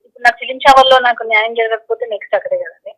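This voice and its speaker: Fast, bright-voiced woman on the phone. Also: a little high. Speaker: phone interviewee. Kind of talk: spontaneous phone interview answers. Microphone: phone call. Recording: tinny telephone line.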